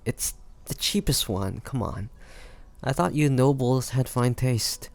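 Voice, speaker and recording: A man playing a roguish, protective pirate captain in a scripted audio roleplay, talking teasingly and intimately to the listener in a gravelly voice. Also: medium pitch, slow pace, a little mellow. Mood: teasing, indulgent. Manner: teasing, smooth-talking, intimate pet names. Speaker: voice actor.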